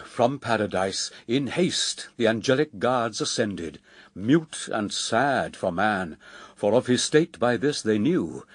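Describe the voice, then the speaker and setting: A man as a grave poet narrator, reading epic verse in a measured, declamatory way for radio drama. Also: mid-range voice, dry recording.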